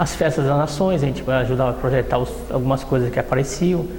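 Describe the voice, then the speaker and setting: Noticeable background noise accompanies a man speaking. He talks at a very fast pace. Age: 60s. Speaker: civil engineer, parish member interviewee. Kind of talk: interview. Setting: documentary interview. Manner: halting, with repetitions.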